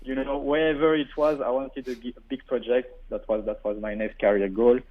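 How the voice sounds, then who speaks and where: A man's voice: mid-range voice, fairly even intonation, a little fast. A man in his forties with a French-speaking Belgian accent, born in Burundi and a native French speaker, chatting as a radio guest and often repeating words while he searches for them. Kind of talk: radio interview. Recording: phone line.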